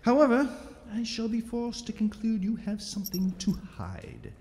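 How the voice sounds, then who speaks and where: An actor playing a stern, contemptuous sorcerer interrogator in a fantasy audio drama, imperious, menacing and deliberate. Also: male voice, high-pitched, wildly swooping pitch, vocal fry, a little mellow, heavily acted. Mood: cold authority. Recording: long echoing reverb, noisy ambience.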